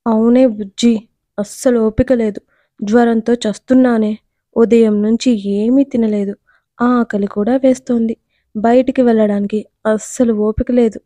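A woman's voice: on the high side, fairly even intonation, normal speed, mellow, dry recording, close to an everyday voice. Woman voicing a sulky, whiny young man. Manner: mocking then whiny.

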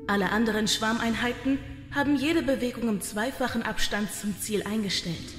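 Woman playing female robot scout in sci-fi audio drama, highish, clipped formal reports, lots of echo. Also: natural voice. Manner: formal, matter-of-fact, clipped military-style reporting. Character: female-voiced reporting scout unit of a machine swarm. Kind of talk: science fiction radio play acting. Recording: echoey reverb over loud music.

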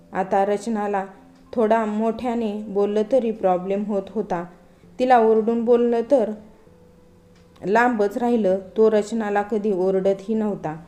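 A woman narrating an emotional moral story in a steady, earnest storytelling manner. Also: medium pitch.

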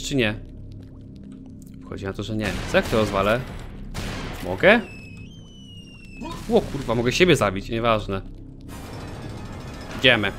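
A young man commenting casually on his own gameplay, joking and swearing at himself. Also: medium pitch. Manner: animated, swears a lot, jokey self-talk. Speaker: gaming channel host. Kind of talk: let's play commentary.

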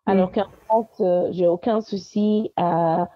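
A woman's voice: on the low side, steady tone, slow, dry recording. A woman from Italy, speaking French as a podcast guest and sharing personal testimony in conversation. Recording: dry, dull lo-fi sound.

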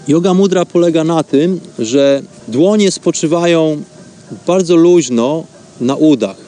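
A man hosting a radio show, giving instructional talk in an explanatory way, pausing now and then to find words. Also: fairly high pitch, dark tone. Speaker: host of a radio show on meditation.

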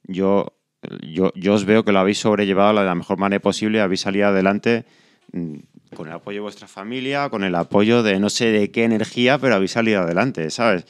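Low smooth-voiced man, earnest. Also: a little fast, dry recording, studio quality. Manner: supportive, earnest, advising. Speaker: podcast guest, father. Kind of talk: podcast conversation.

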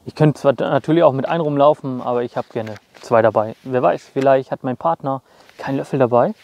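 A man's voice: mid-range voice, a little fast, vocal fry, a little mellow, dull audio. A young man casually showing his outdoor gear, talking straight to viewers with plenty of fillers, recorded in snowy woods on a clip-on mic. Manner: chatty, lots of fillers, addresses viewers directly.

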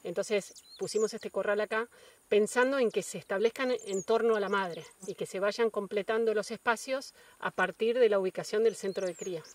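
A woman's voice: mid-range voice, moderate pace. A woman with an Argentine accent explaining conservation work in an unscripted documentary interview. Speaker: conservation project worker being interviewed.

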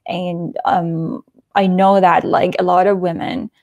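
Earnest woman speaker, low dry voice. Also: flat delivery, slow pace, darkish tone, no room sound, muffled recording. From Afghanistan. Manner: earnest, frequent "um" fillers. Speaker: conference speaker. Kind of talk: prepared talk over video call. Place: small indoor room with wood panelling. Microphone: earphone headset mic on video call.

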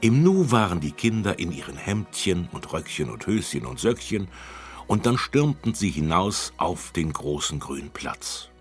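A man narrating a children's audiobook in a lively storytelling manner. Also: low voice, normal speed, faint music behind.

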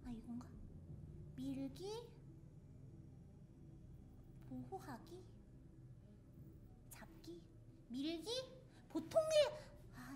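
A woman streamer giving live gameplay commentary, excitably and playfully shouting threats at the game, with game music behind her. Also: high voice. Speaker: VTuber streamer.

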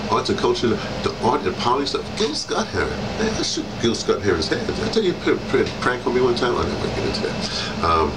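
An American man in his sixties chatting casually to camera in a halting, digressive way, thinking aloud. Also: fairly low pitch. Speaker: travel vlogger. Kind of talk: casual rambling chat to camera. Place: hostel lounge, small indoor room. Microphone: camera mic on the table, a short way off. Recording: noisy air-conditioning hum, distant microphone. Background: loud air conditioning.

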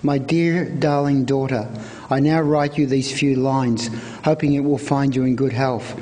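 A man reading a prepared script of historical letters aloud at a live event in a measured way. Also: medium pitch, steady tone, a little mellow, low-quality recording.

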